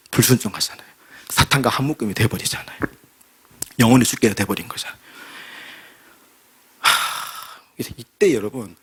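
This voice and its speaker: A man, a pastor, preaching a sermon with vivid storytelling and rhetorical questions, dropping to a hush and rising again. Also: mid-range voice, breathy edge. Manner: dramatic storytelling, rhetorical questions, swings between loud and hushed. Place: church sanctuary.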